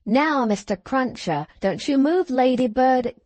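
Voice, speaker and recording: A woman voicing a brisk, blunt, loyal middle-aged Englishwoman servant in a storybook, emphatic and forthright. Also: high voice, expressive, a little mellow, dry recording, pitched above the performer's own voice. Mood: briskly stoic.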